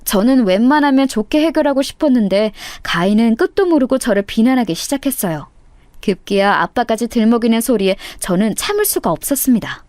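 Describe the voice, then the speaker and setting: A woman's voice: fairly high pitch, very animated, brisk, a little mellow, no room sound. A woman narrating a true-life radio story in a confiding manner.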